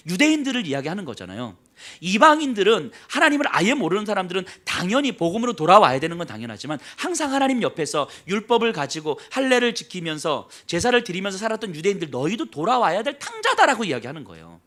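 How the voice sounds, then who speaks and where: A man preaching a sermon as pastor, telling a story with acted-out quotes and dropping to soft, low emphasis. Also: sing-song, fast talker, hardly any pauses.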